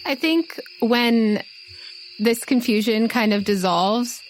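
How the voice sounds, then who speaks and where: A woman's voice: fairly high pitch, expressive, takes it slowly, slight background noise, poor audio. A woman narrating a tabletop role-playing game as its game master.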